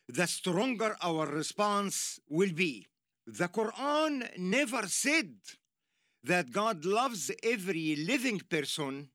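A man with an Egyptian accent preaching slowly and deliberately, his voice high and bright. His delivery is earnest and emphatic, and the pitch swings widely. The sound is dry and close. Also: dry recording. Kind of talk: sermon.

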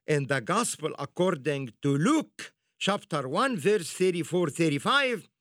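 A man's voice: fairly high pitch, no room sound, studio quality. A man hosting a Christian program, preaching and telling stories emphatically. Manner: emphatic, animated storytelling with quick laughs. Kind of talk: preaching to camera.

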